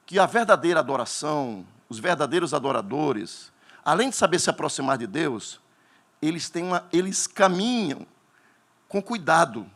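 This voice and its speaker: Pastor, male, Northeastern Brazilian accent, fiery sermon delivery, lively swinging pitch. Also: normal speed. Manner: animated preaching, bursts into shouting at climaxes.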